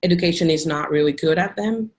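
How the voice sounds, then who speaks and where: A young woman from the Dominican Republic talks about her teaching in a relaxed, chatty way. She fills her sentences with "like" and restarts often. Her voice sits a little low. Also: fast. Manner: chatty, many "like" fillers and restarts. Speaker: teacher, interview guest. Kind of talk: casual video interview.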